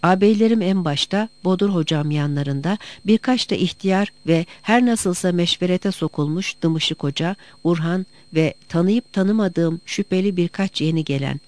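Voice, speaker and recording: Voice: medium pitch, moderate pace, hardly any pauses, a little mellow, dry recording, close to an everyday voice. A reader voicing a proud young tribal chief from an audiobook, speaking with bitter, rousing force. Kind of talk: audiobook reading.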